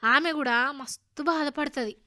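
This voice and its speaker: High bright telangana lady telling kids a story on radio. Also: normal speed, no echo, studio quality. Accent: Telangana Telugu. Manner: lively, homely dialect narration.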